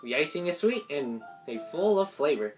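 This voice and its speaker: A woman narrating a visual novel, reading the story text aloud in a halting way with some stumbles. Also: deep voice, very animated, darkish tone. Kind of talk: live dramatic reading of game text. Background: game music.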